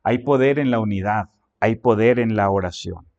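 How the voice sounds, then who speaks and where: A man's voice: lowish voice, moderate pace, a little mellow, dull audio. Male pastor preaching with rising emphasis. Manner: expository preaching, reads scripture aloud with rising emphasis; counts points and repeats phrases for emphasis. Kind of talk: sermon.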